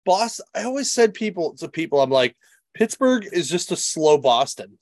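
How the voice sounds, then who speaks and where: A man's voice: on the high side, big pitch swings, normal speed, a little mellow, no echo. A man co-hosting a casual comics podcast, mostly giving short reactions and wry asides. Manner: laid-back, brief reactions and wry asides. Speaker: podcast co-host. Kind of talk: casual chat.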